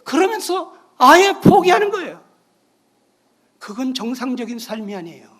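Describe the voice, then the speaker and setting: High-voiced Korean male pastor preaching. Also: sing-song, moderate pace. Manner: preaching with rising emphatic bursts and quiet drops. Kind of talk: sermon.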